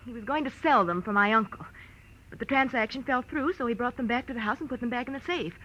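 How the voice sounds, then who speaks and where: A woman's voice: a little high, fast talker, sharp tone. An actress with an American accent playing an anxious, evasive young female client, earnest and defensive, in 1940s radio drama style. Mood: uneasy, insistent. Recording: dull, faintly noisy old radio recording.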